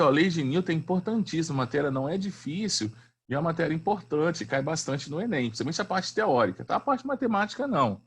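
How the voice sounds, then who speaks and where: A man's voice: on the high side, husky. A man teaching a physics class online in a chatty, slangy way, often asking the students questions.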